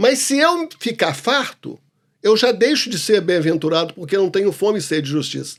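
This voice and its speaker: This man talks at a moderate pace with a high pitch. His pitch swings very widely. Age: 60s. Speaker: pastor. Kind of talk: casual chat.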